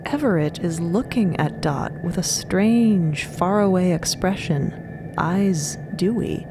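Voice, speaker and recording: A woman's voice: lowish voice, slow pace, noisy background. A woman narrating a scripted audio drama.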